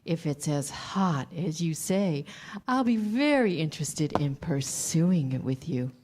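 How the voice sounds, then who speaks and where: Theatrical, low-voiced female Hollywood producer , acted by a woman. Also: very animated, measured pace, darkish tone, slight background noise. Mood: smooth, flattering. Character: seductive, manipulative, coolly dismissive female Hollywood producer. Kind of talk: staged screenplay reading.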